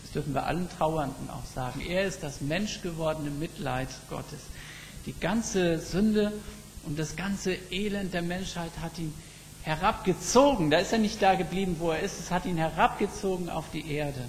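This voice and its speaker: A man preaching a sermon, reflective and slow, telling stories with emphatic pauses. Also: fairly high pitch. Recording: long reverb with faint background noise.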